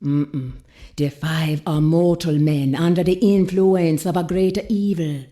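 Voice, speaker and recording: A woman's voice: low voice, fairly even intonation, measured pace, dark tone. A woman voicing a bossy, no-nonsense mystic mentor in a video game, blunt, commanding and folksy. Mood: stern, ominous. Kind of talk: video game character acting.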